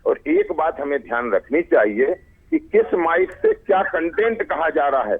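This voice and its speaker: A man's voice: a little high, big pitch swings, unhurried. A man with an Indian accent arguing formally and emphatically as a party spokesperson in a TV debate over a remote call. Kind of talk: TV debate argument. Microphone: remote call link. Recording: tinny narrowband phone-like line.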